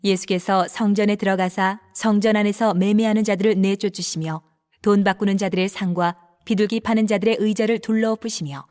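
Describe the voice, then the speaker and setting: Female narrator for dramatized scripture, mid-range pitch, formal and measured delivery. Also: darkish tone.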